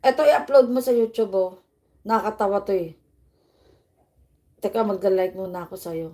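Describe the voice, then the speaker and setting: A woman's voice: mid-range voice, moderate pace, dark tone. A playful, teasing woman from the Philippines chatting casually on a livestream, laughing often. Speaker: vlogger.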